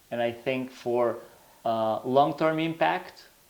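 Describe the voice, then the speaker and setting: A man with an Albanian accent, medium pitch and fairly even intonation. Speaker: author. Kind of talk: interview.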